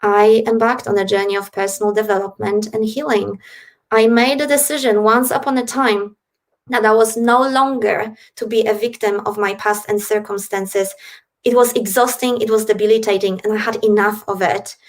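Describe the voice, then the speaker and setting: Gravelly-voiced woman from Poland. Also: medium pitch, fairly even intonation, normal speed. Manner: earnest, reflective. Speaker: podcast guest. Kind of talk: interview storytelling.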